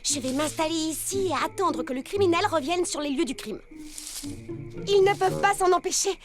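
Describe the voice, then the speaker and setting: An actress voicing an excitable young woman who plays detective in a French cartoon dub, theatrical and full of dramatic exclamations. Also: very high-pitched, normal speed. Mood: sleuthing. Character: Baba Hortensia, excitable young woman fancying herself a detective. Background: cartoon music.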